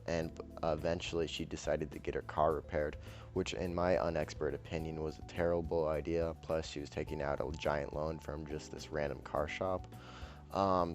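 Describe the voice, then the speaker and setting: A man with an extremely deep, low voice tells his story in a flat monotone. His delivery stays deadpan throughout, and faint background music runs underneath.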